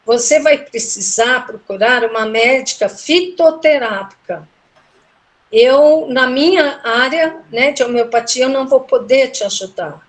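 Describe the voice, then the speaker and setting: A middle-aged woman with a fairly high voice tells a personal story in relaxed conversation. She retells it with feeling and slips into the voices of the people she quotes. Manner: emotional, animated retelling with quoted dialogue. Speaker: guest telling a personal story. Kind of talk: casual storytelling interview.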